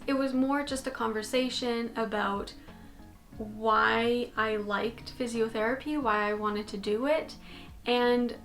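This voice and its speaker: Chatty young woman vlogging from her bedroom. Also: fairly high pitch. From Canada. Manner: chatty and animated, gesturing with her hands. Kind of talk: casual talking-head vlog. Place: bedroom, indoors. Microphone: fixed camera at desk distance.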